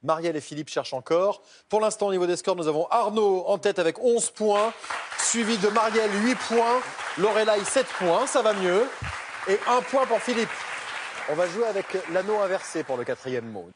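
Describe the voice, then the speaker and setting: In a TV game show studio, a high-voiced male host lays out rules and scores for the players at a moderate pace. The background is noisy with crowd sound, audience and music behind his voice.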